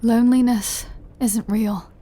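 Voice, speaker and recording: Immortal vampire girlfriend played by a woman for audio roleplay: husky-breathy, unhurried, hushed, tender, aching with remorse. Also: a little high, steady tone. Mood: melancholy, tender. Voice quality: breathy, often half-whispered. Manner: slow, hushed, emotional delivery with long pauses. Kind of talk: intimate scripted audio roleplay.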